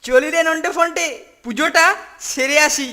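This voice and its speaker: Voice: high voice, normal speed, background noise. An actor voicing a boastful, scheming older schoolboy bully with mocking, cackling delivery in a children's cartoon. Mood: sly, smug. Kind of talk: exaggerated Bengali children's cartoon acting.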